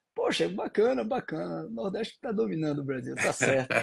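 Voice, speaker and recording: At a moderate pace, a man speaks with a somewhat breathy voice. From Northeast Brazil, Recife. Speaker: law professor and live-stream host. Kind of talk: live-stream interview.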